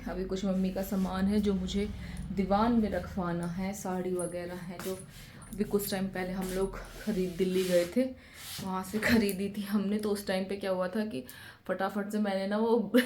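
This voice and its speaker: A woman's voice: fairly low pitch, a little mellow, slight background noise. Chatty young Indian woman vlogging. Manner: chatty, addresses viewers, laughs often. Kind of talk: casual chat to viewers. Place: family home, indoors and outdoors.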